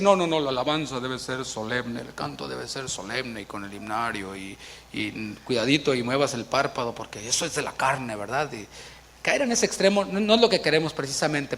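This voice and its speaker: A man's voice: high-pitched, fairly bright tone. A man preaching a sermon in a church in a conversational way, asking the congregation questions and acting out little scenes.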